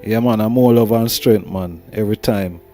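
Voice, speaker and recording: A man's voice: fairly low pitch, moderate pace, dark tone, faint music behind. A man with a Jamaican accent hosting a talk show in Rasta speech, with reverent Rastafarian phrasing and greetings. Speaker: host.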